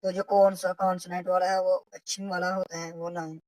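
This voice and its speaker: A woman's voice: fairly low pitch, flat delivery, a little fast, darkish tone, no room sound, poor audio. A woman, teaching a recorded language lesson from a textbook. She explains step by step and repeats the example phrases.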